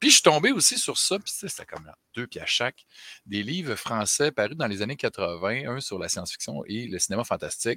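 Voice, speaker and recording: On a very clean recording against a silent background, a man's speech moves at a fairly quick pace. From Quebec, Saguenay. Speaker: podcast co-host. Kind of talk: casual chat.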